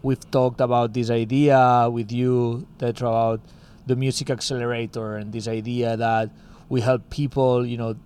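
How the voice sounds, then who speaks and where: A man's voice: mid-range voice, flat delivery, normal speed, few pauses, a little mellow, smooth. A man from Spain with a Spanish accent, chatting casually as a music school co-founder and filling his talk with "like" and "you know". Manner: rambling, heavy use of "like" and "you know". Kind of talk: casual interview chat.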